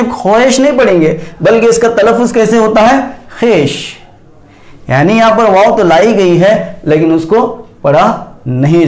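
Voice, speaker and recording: A middle-aged man from Karnataka, India, teaching an Urdu grammar lesson, slowly repeating example words to show how they are pronounced while he writes on a board. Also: high-pitched. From Bijapur, Karnataka, India. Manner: slow, deliberate, repeats example words for pronunciation.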